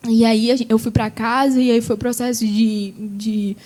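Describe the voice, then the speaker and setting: High-voiced Brazilian woman giving testimony. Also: flat delivery, moderate pace, dark tone. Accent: Brazilian Portuguese. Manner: tells her story with feeling, fillers like "sabe?". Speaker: gospel singer and guest. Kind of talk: emotional testimony in a TV interview.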